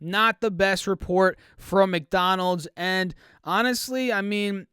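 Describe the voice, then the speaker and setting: A man's voice: sits high, takes it slowly, sharp tone, smooth, no room sound, clean studio sound. A man giving casual stock market commentary, reading earnings numbers with chatty asides. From United States.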